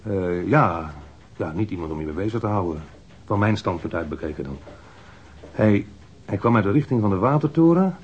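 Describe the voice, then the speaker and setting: A man plays a shifty male mugger being questioned in a radio drama. His voice is low, and he rambles defensively in slangy, halting phrases. The recording is dull and lo-fi. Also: expressive, darkish tone, slight background noise, lightly acted. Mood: insistent, irritated. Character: evasive male street mugger under police questioning. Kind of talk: naturalistic radio drama acting.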